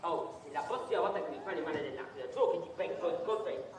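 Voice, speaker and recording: A man's voice: fairly high pitch, expressive, fast talker. A man taking part in a group role-play exercise, speaking bluntly and insistently. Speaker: group participant. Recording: distant echoey room with faint noise.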